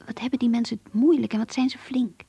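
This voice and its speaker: An actress playing a thoughtful young Jewish woman, confiding softly and breathily as in a diary in a radio play. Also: a little high, steady tone, fast talker, close to an everyday voice. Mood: reflective. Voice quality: soft, breathy. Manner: intimate, reflective narration. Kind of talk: Dutch radio play monologue.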